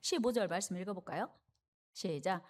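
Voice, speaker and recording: A woman's voice: fairly low pitch, expressive, fairly quick. A woman pastor preaching a sermon in a church, telling a parable vividly and leading the congregation in reading. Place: church sanctuary.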